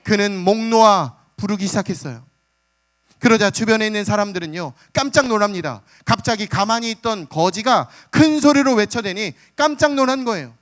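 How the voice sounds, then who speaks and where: High-voiced Korean pastor preaching with drama. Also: male voice, expressive, a little fast, a bit bright. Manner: dramatic storytelling, acts out the beggar's cries; calls out "hallelujah" and addresses the congregation. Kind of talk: sermon.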